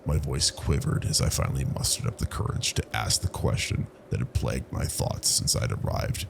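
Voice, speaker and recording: Very deep, gravelly man narrating horror, haunting. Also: moderate pace, background noise. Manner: low, haunting delivery. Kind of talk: dramatic scripted horror narration in the first person.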